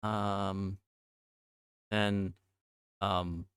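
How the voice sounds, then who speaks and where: Slow, halting man chatting on a livestream. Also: low-pitched, level tone, fairly bright tone, smooth, no room sound, studio quality. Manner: halting, repetitive, scattered delivery. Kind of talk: casual livestream chat.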